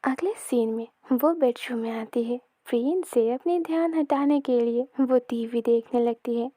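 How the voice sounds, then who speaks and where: Slow, soft-spoken woman storyteller. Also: fairly high pitch, dry recording, clean studio sound. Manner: soft, often half-whispered narration. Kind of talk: retelling a romance series.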